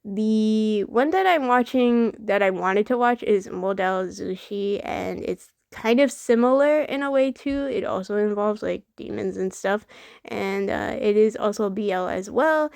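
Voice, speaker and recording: A woman's voice: medium pitch, measured pace, gravelly, a little mellow, no room sound, clean studio sound. A young woman chatting casually while she draws, rambling with many fillers and restarts. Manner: rambling, filler-heavy, self-correcting. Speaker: art vlogger. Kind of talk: casual chat while drawing.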